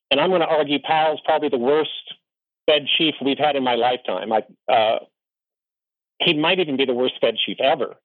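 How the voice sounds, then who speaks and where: A man's voice: a little high, no room sound. A man, an economist guest, giving opinionated political commentary in an emphatic, lecturing way, with frequent fillers and restarts. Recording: tinny phone-line sound.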